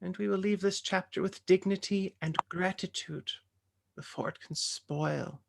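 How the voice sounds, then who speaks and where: A woman playing a calm, solemn village elder who preaches in a measured, creaky voice in a dramatic table read. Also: lowish voice. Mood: grave, fervent.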